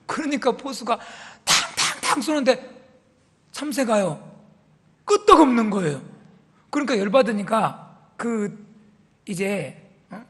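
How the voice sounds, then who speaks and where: A male pastor from Seoul, warming up the congregation with jokes and teasing questions before his sermon. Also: high voice, animated, unhurried, pauses often, slightly rough. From Korea, raised in Seoul. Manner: playful, teasing the audience with questions. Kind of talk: joke-telling warm-up before a church sermon. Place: church hall. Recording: reverberant church hall.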